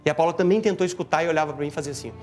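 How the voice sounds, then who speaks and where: A man giving an interview, retelling a past event in the first person and acting out his own shouts and words as he goes. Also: fairly high pitch, racing, music in the background. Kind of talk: emotional first-person account.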